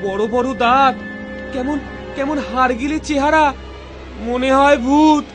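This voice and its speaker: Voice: high voice, fairly even intonation, a little slow, music in the background. An actor playing a timid, easily spooked young boy in a children's cartoon. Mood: scared. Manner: hesitant, exclaiming.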